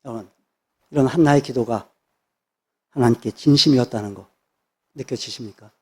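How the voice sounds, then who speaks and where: Husky emphatic man preaching a sermon. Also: mid-range voice, moderate pace, mellow. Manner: emphatic, repeats phrases for stress. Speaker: pastor.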